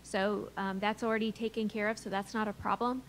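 A woman responds to questions as an official in a public meeting. Her voice is of average pitch, recorded in a large room with slight background noise. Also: little pitch movement, fairly quick, low-quality recording. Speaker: school district administrator.

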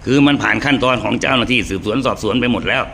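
A man talking in a played live-stream clip, halting and filling gaps with fillers. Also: medium pitch, vocal fry, a bit bright, a little hiss or hum.

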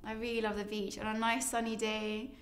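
A woman's voice: mid-range voice, completely flat delivery, brisk, slight background noise. A young woman from England, an exchange student chatting cheerfully in a white studio. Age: young adult. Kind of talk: casual answers to camera. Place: white photo studio, indoors.

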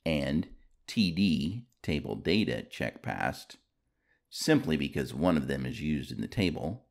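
A man narrates a scripted software tutorial in a low voice. His intonation moves up and down in a lively way, while his delivery stays measured and explanatory, each term carefully enunciated.

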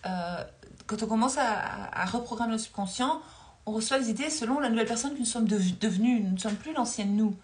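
Hosting a livestream as a spiritual coach, this Belgian woman in her forties talks casually with a voice on the high side and a slightly fast pace. She chats easily, laughs a lot, and reads out comments from viewers, recording on a close-held phone in a dim room.

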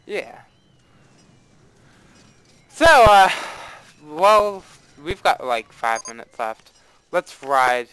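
A man's voice: a little high, big pitch swings, very slow, long pauses, a bit bright, clean tone. A young man casually commenting on his own gameplay, rambling and playfully dramatic, with a desktop mic and faint background noise. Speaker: let's play host.

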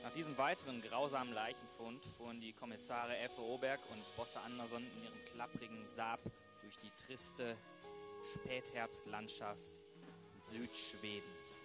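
Guy as serious radio drama narrator, crime story, normal pitch, music playing behind. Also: fairly even intonation, a little slow, lightly acted. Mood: solemn.

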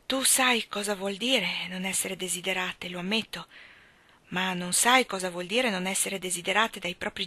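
A woman's voice: mid-range voice, pushed and bright, no echo. A woman reading aloud, voicing a bitter, lonely young woman who speaks in anguished outbursts. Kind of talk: audiobook character reading.

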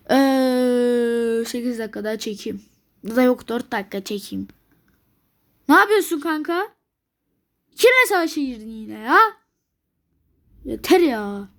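High-voiced exasperated woman gamer. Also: darkish tone. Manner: exasperated, grumbling at the game; thinking aloud to herself. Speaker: gameplay video maker. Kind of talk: strategy game commentary.

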